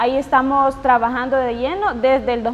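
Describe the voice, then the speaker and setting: A woman speaks at a moderate pace in a high voice over noticeable background noise. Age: 20s. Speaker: political candidate. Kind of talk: interview.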